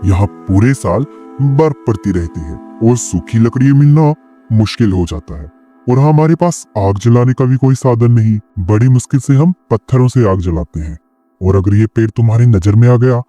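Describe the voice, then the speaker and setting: A stern, threatening tribal chief acted by a man in a cartoon moral tale. The tone is dark and soft-edged at a middling pitch, yet the words come as accusations. Music plays underneath. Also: expressive, moderate pace, no echo, lightly acted. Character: stern, threatening male tribal chief guarding sacred trees. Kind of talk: animated moral story dialogue.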